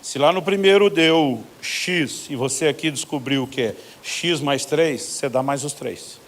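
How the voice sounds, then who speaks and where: A man's voice: on the high side, unhurried, a little hiss or hum. A middle-aged man with a Brazilian Portuguese accent, a pastor preaching a sermon who tells stories and acts out both sides of the conversations. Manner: animated storyteller acting out both sides of conversations. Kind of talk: sermon storytelling with quoted dialogue.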